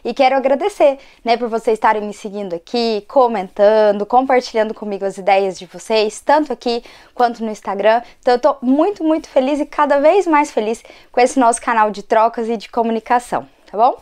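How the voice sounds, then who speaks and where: A hoarse woman, fighting a cold, giving a conversational educational talk to her channel as an occupational therapist. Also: fairly high pitch, a little fast, few pauses, a little mellow. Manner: conversational, frequent tag questions.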